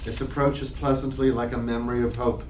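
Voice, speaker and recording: A man's voice: medium pitch, flat delivery, fast talker, a little mellow. A man reading scripted literary stage directions as the narrator of a play reading. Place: library reading room. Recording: distant mic, echoey room, noisy.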